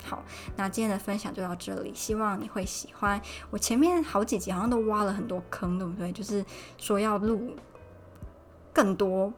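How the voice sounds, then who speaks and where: A young woman from Taiwan, based in Poland, hosts a casual solo podcast in a mid-range voice at normal speed. She's chatty, retelling conversations with animated quoted voices, over soft background music.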